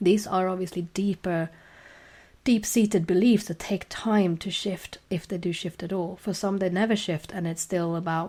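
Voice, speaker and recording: A woman with a Swedish accent speaks at a medium pitch in a dark, mellow tone, her intonation fairly even, on a very clean recording with a silent background. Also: moderate pace. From Sweden. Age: 40s. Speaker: clinical psychologist. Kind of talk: podcast interview.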